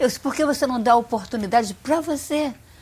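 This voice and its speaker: The pitch of this woman's voice is high. She speaks with lively intonation. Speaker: senior university program coordinator. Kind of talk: talk show interview.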